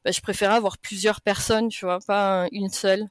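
A woman's voice: medium pitch, level tone, normal speed, no echo. A woman in her late thirties from France, a podcast guest chatting casually and laughing often between sentences. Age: 30s. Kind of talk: casual interview chat.

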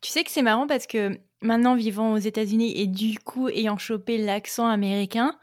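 A woman's voice: a little high, normal speed, darkish tone, dry recording, clean studio sound. A woman hosting an interview, asking questions in a playful, teasing way and laughing easily. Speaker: podcast host. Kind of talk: casual interview chat.

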